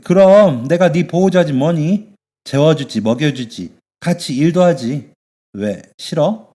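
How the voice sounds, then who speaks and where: A man voicing a tough but caring middle-aged woman who runs a bathhouse, yelling at thugs and fussing over her young worker in a radio story. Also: fairly high pitch, measured pace, voice pushed up, close to an everyday voice. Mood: doting. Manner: shouting threats, then fussing warmly.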